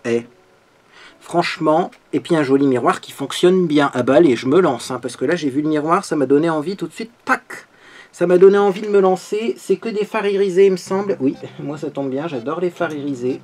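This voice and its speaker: This male beauty vlogger speaks briskly in a somewhat high, slightly mellow voice during his makeup tutorial. His style is bubbly and chatty, with "hein" tagged onto many sentences.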